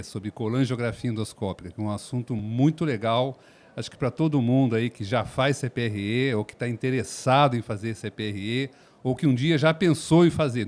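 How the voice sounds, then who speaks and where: Man from São Paulo, mid-pitched voice, podcast host, friendly, lots of short acknowledgements. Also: a little mellow. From São Paulo, Brazil. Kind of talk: podcast interview.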